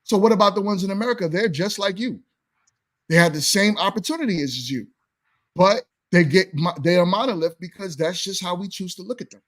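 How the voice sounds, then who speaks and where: A man with a notably high voice argues in a casual podcast chat. He keeps pressing his point and pushing back on the other speakers. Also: a little fast, fairly bright tone. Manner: argumentative, pushes back. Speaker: podcast co-host.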